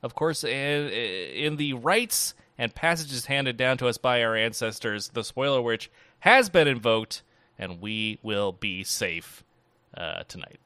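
Brief: spooky podcast witch chanting spells slowly and loud, done by a man, bright crisp tone. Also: mid-range voice, expressive, dry recording. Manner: loud, slow incantation. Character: theatrical chanting female spoiler witch.

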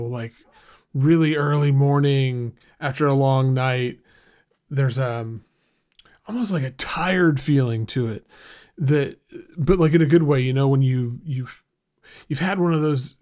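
A man's voice: fairly high pitch, darkish tone. A man hosting a daily music podcast, reviewing an album in an enthusiastic, rambling way with many fillers and restarts. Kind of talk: casual spoken album review.

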